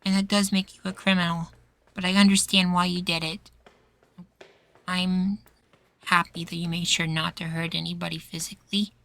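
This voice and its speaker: A man acting a sweet, anxious, devoted young boywife in a soft, pleading ASMR roleplay. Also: high-pitched, level tone, normal speed, creaky, long pauses, no room sound, heavily acted. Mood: earnest, forgiving.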